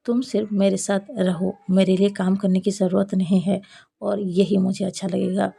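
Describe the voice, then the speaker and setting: A woman's voice: medium pitch, flat delivery, normal speed, vocal fry, dark tone, husky. A woman voicing a jealous, sulking young woman in a storybook. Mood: insistent. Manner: sulky, pleading. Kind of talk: storybook narration.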